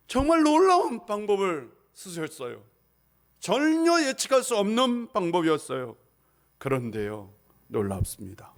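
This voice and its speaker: A man preaching a sermon as pastor of a church, animated and full of questions to the congregation, now and then shouting out dramatic lines. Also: high-pitched. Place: church sanctuary.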